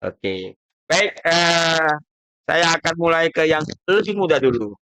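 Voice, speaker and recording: A man's voice: on the high side, big pitch swings, slow, pushed and bright. A man hosting an informal live stream, chatty and often echoing what his guests say. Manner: chatty, repeats guests' words. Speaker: host.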